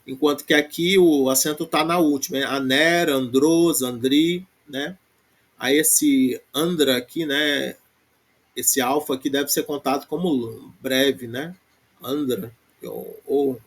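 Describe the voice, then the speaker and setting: A man with a Brazilian Portuguese accent gives a recorded grammar lesson. His voice sits a little high for a man. Overall he talks at an unhurried pace, drawing out each recited form before rattling off short explanations. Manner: recites declension forms slowly, then explains in quick bursts with frequent "né?". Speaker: Greek language teacher.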